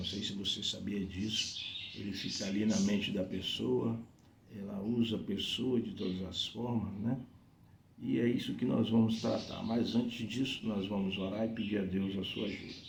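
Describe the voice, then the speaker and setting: A soft-spoken, somewhat breathy man at a medium pitch and moderate pace, with audible room echo. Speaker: lay preacher. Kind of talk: sermon.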